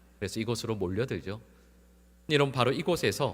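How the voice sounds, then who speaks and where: This man's voice is fairly low in pitch, with lively intonation. The recording is very clean, and the background is silent. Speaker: pastor. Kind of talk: sermon.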